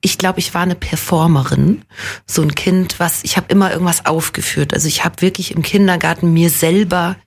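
Husky-voiced woman musing in an interview. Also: on the low side, fairly even intonation, a little fast. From Munich, Germany. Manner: reflective and self-deprecating, rambling with many fillers. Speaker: actress and guest. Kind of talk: casual conversational interview.

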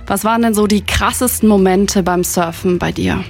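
A woman's voice: mid-range voice, normal speed, darkish tone. Friendly Franconian radio host woman. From Germany (Franconia, Nuremberg). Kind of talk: radio interview.

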